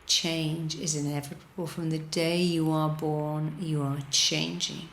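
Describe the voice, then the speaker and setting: A woman leading a guided meditation in a soothing, deliberate manner, repeating gentle instructions with pauses. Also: low voice, flat delivery, echoey room. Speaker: guided meditation leader, hypnotherapist.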